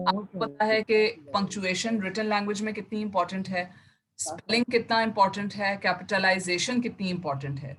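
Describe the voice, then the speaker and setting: A woman's voice: mid-range voice, fairly bright tone, a little hiss or hum. A woman teacher giving an online class, explaining terms step by step and mixing English words into her Urdu. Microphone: computer mic on a video call.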